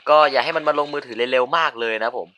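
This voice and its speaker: A man giving casual let's-play commentary, chatty and given to sudden yelps and shouts. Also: medium pitch, quick pace, highs cut off. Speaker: gaming video host.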